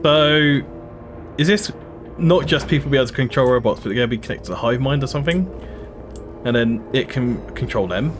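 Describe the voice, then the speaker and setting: A man's voice: mid-range voice, a little fast. A man streaming a game, giving chatty, casual commentary with frequent laughs and asides. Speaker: let's play streamer. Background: game music.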